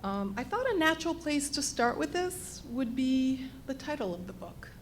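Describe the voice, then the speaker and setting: A woman's voice: sing-song, normal speed. An American woman leading a conversation at a live event, projecting like a teacher and repeating words for emphasis. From New England, US. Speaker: anthropologist leading an on-stage conversation. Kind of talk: live public conversation, informal introduction. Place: indoor public event venue. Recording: noisy live event with rumble.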